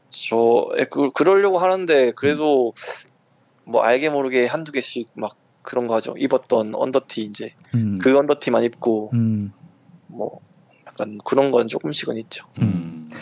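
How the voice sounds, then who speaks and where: Long, frequent pauses break up this man's fairly slow speech. His pitch is medium and his intonation lively. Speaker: professional baseball pitcher. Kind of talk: casual interview. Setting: phone call. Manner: laid-back.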